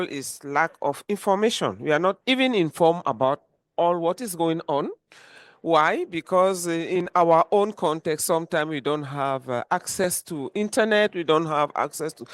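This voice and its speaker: A woman speaking as a panelist and network coordinator, earnest and halting, often restarting her sentences. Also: fairly low pitch, no room sound, clean studio sound. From Cameroon. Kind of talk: panel discussion remarks.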